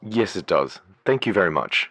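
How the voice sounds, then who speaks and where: Deep-voiced man relay operator. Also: very animated, pushed and bright, slightly rough, exaggerated voice. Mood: businesslike, polite. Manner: matter-of-fact, courteous, halting while typing. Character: polite, businesslike relay service officer speaking for a caller. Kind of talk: phone call on a radio drama.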